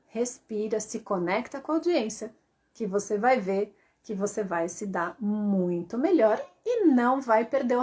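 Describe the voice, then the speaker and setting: A woman voice coach giving a lively live-stream lesson, asking her viewers rhetorical questions. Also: a little high.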